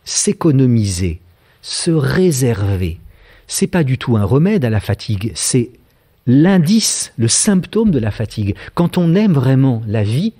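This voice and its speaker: Lecturer, male, fifties, from France; warm, mellow voice, measured and hesitant delivery. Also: mid-range voice, sing-song, slightly rough. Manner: thoughtful, frequent hesitations with filler sounds. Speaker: philosophy lecturer. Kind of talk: public lecture.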